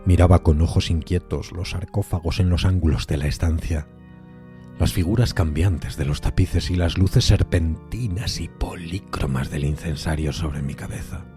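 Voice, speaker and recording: A man giving a dramatic, theatrical literary narration of a gothic horror story, moving between hushed and emphatic phrasing. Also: low-pitched, moderate pace, music in the background. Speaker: podcast narrator reading a horror tale.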